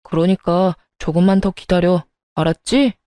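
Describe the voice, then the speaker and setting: A woman's voice: fairly low pitch, normal speed, warm tone, no echo, clean studio sound, pitched below the performer's own voice, natural voice. A woman voicing a cheating husband who talks in a curt, dismissive way. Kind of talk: story narration with acted voices.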